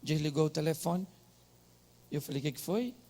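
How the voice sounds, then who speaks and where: A middle-aged Brazilian pastor telling a comic story in a sermon, dropping to murmured asides and rising to shouted punchlines. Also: male voice, fairly high pitch, animated, normal speed.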